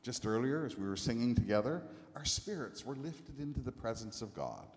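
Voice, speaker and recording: A man delivers a sermon to a congregation, speaking in short phrases and pausing often so an interpreter can follow. His pitch rises and falls in a lively way. The sound carries the long reverb of a large church hall. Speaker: preacher.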